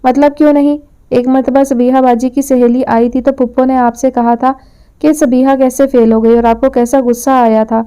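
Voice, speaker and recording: A sly, teasing young man, voiced by a woman reading an audio novel. The voice is smooth and mellow, pitched fairly high, with a coaxing, playful manner. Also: flat delivery, natural voice. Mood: scheming.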